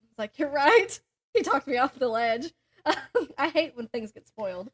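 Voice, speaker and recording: A young woman with a distinctly high voice talks as a podcast co-host. She rambles through everyday stories in a casual, chatty style, and her delivery is giggly. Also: big pitch swings, a little slow. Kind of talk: casual chat between friends.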